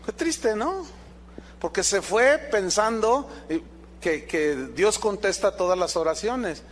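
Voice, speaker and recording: A man's voice: high-pitched, expressive, slow, slight background noise. A man preaching a sermon as pastor, emphatic and full of rhetorical questions to the congregation.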